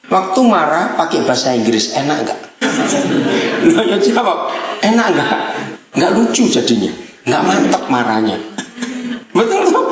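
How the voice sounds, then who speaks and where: A male pastor delivers a sermon in a blunt, animated way, with his pitch leaping up and down as he fires rhetorical questions at the congregation. His voice rings out in a heavily echoing hall, like a large church. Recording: very echoey hall.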